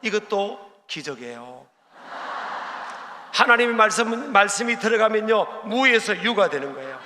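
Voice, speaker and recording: A male pastor preaching in a church sanctuary, his high, bright voice ringing with a long hall reverb. He is emphatic and swings up into shouted rebukes. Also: sing-song, moderate pace, slight background noise. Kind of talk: sermon.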